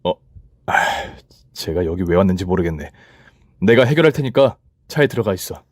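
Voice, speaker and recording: A man voicing a boyfriend, a company boss, calm and a little hesitant. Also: low voice, normal speed, no echo, clean studio sound, pitched below the performer's own voice.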